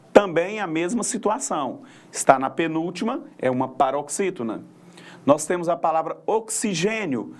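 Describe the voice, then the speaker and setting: A man teacher with a Brazilian Portuguese accent and a voice sitting a little high for a man. He walks through his lesson patiently, counting syllables out loud and checking in with his students. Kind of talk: recorded classroom lesson on word stress.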